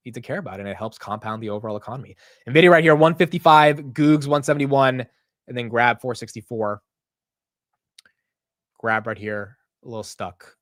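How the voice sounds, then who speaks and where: Young American male host, mid pitch, loose ranting livestream delivery, dry close mic. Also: no echo. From United States. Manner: animated, ranting, profane and self-mocking. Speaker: livestream market show host. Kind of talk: casual livestream chat.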